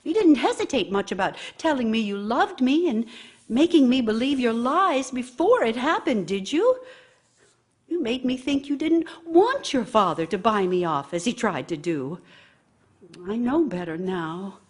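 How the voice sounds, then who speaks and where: Actress as a high-voiced, bitter nagging wife. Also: female voice, sing-song, a little slow, breathy edge, heavily acted. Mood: bitter, sarcastic. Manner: scornful, sarcastic, complaining. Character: bitter, nagging, aggrieved working wife scolding her idle husband. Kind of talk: stage-style radio drama monologue.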